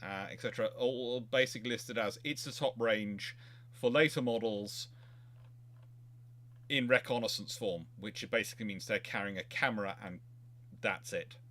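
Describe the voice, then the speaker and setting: A man hosting an informal expert chat, answering questions in a halting way with frequent restarts. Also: lowish voice, a bit bright. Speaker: host of a naval history live chat.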